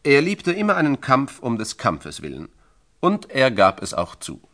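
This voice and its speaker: A man's voice: mid-range voice, huge pitch swings, normal speed, fairly bright tone. A man narrating a biography from a script in a dramatic, emphatic and solemn storytelling style.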